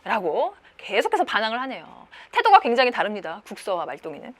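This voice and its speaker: A woman lecturer walks her students through a drama scene, explaining each line. Her voice sits high, and she checks in with short rhetorical questions as she goes. Her delivery stays patient and methodical. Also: huge pitch swings, quick pace. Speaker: literature lecturer. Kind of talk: exam-prep lecture.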